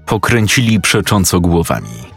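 A man narrating a scripted story in a steady, matter-of-fact way. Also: low voice, normal speed, creaky, slightly rough, faint music behind.

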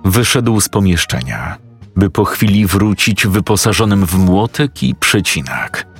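A man narrating a scripted story in a steady, matter-of-fact way. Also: sits low, unhurried, slightly rough, faint music behind.

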